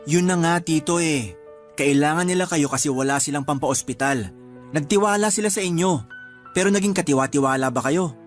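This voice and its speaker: A man's voice: fairly high pitch, brisk, natural voice. A man playing a reluctant young nephew who questions his uncle in a radio drama. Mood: reproachful. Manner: reproachful, jumpy. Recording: music underneath.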